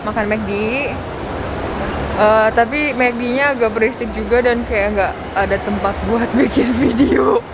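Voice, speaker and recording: A woman's voice: on the high side, fairly even intonation, unhurried. A woman in her twenties hosting a casual travel vlog, laughing often and slipping English into her talk. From Indonesia. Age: 20s. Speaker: vlogger host. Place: outdoors in a busy city area and a fast-food restaurant. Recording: noisy street and restaurant, loud music. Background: loud music and crowd.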